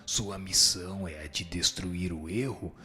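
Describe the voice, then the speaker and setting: A man performs a grave spirit mentor in an audio drama. The voice is deep and bright, with a slow, measured delivery that admonishes and instructs solemnly. Faint music plays underneath. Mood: solemn, instructive. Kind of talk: scripted audio drama reading of a spiritual text.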